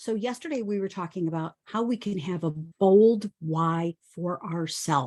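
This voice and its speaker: Against a quiet background, a woman with a medium pitch and ordinary pitch variation talks in an animated tone at a fairly slow pace, with hardly any pauses. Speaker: business coach. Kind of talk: webinar presentation.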